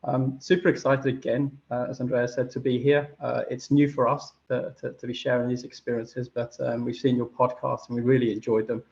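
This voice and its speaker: Halting Chilean-born man on a muffled call. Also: medium pitch, flat delivery, vocal fry, a little mellow. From Chile, raised in the UK. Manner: halting, many uh and um fillers. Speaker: podcast guest, machine translation expert. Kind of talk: casual interview chat.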